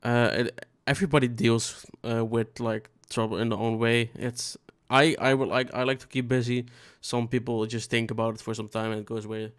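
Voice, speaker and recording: A man's voice: mid-range voice, level tone, moderate pace, few pauses. A young man from the Netherlands, speaking English as an in a casual, rambling, profane podcast chat. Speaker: podcast co-host.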